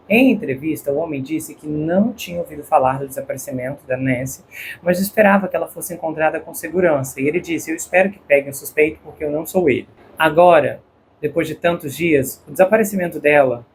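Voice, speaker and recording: A man's voice: a little high, a little hiss or hum. Brazilian man reading crime news. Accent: Brazilian Portuguese. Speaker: true crime channel host. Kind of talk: read news narration.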